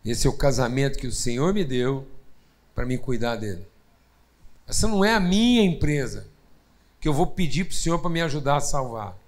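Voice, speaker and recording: Brazilian man in mid pitch, affirming. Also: very animated, moderate pace. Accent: Brazilian Portuguese. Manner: affirming, chimes in with agreement. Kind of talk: conversational Bible teaching.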